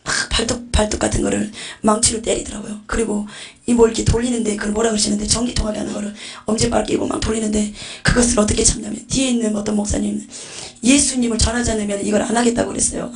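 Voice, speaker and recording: A woman's voice: medium pitch, little pitch movement, fast talker, gravelly, darkish tone. A woman giving a fervent religious testimony, telling it dramatically and dropping into whispered asides. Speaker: testimony preacher.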